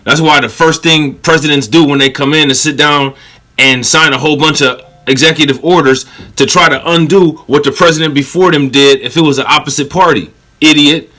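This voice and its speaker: A man's voice: a little high, steady tone, fairly quick, sharp tone. A man hosting a reaction video, cutting into a clip with blunt, profane and sarcastic commentary.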